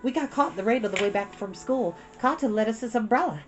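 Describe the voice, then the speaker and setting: A woman's voice: a little high, fast, pitched above the performer's own voice, close to an everyday voice. A woman voicing a polite, responsible schoolgirl big sister in a children's storybook. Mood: polite, apologetic.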